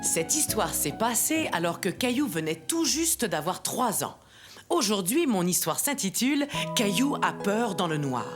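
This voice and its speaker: A woman playing a kindly storyteller who introduces a tale to children in a gentle, expressive cartoon narration. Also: medium pitch, unhurried, music in the background. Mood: warm, inviting.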